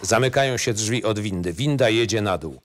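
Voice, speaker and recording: Reading a screenplay's stage directions, a narrator with a lowish voice uses short, matter-of-fact phrases but lively intonation at normal speed. The scripted reading is captured with clean, dry studio sound.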